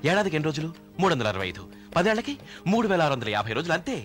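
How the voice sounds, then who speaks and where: A brash, mocking young man preaches and taunts in rapid film dialogue. His voice sits a little high and swings wildly up and down. Film music plays clearly underneath. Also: very animated, a bit bright. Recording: movie soundtrack with music behind.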